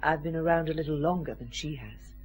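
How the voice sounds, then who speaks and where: A woman playing a sardonic, low-voiced company director. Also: fairly quick, slight background noise, lightly acted. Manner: dry, cutting remarks. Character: sharp, worldly female company director, sardonic. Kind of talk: radio drama acting.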